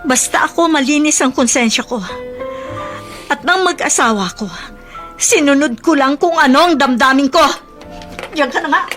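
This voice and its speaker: A woman's voice: sits high, normal speed, pauses often, soft background music. A woman playing a poor young wife in a radio drama, firm and indignant as she defends herself. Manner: firm and indignant, hushed worried murmurs when alone.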